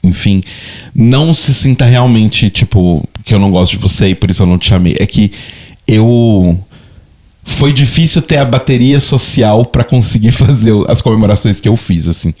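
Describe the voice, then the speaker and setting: Man, 30s, Brazilian accent, slightly low voice, reflective, hesitant, repeats words. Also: lively intonation, moderate pace, darkish tone. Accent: Brazilian Portuguese. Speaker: podcast co-host. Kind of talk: casual chat.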